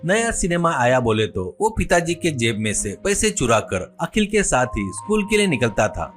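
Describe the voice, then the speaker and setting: A man's voice: a little high, very animated, moderate pace, fairly bright tone, faint music behind. A man narrating a scripted moral story as a storyteller.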